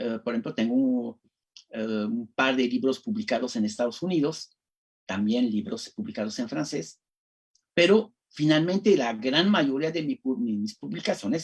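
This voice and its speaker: A man's voice with very wide pitch swings and big swings in loudness. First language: Arabic and French (speaking Spanish). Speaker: professor, international relations researcher. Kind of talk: interview. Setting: online broadcast. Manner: hesitant, many fillers.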